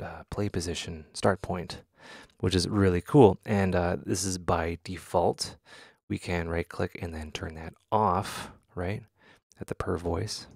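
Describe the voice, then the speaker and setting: Deep, gravelly-voiced man giving a tutorial. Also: no echo, clean studio sound. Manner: halting, thinking aloud as he demonstrates. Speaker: tutorial host. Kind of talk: casual software tutorial talk.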